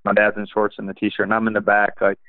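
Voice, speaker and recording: A young man, an assistant wrestling coach, talking in a relaxed, rambling way with many fillers, in a podcast interview over a phone line. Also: on the low side, fast, no room sound. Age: young adult.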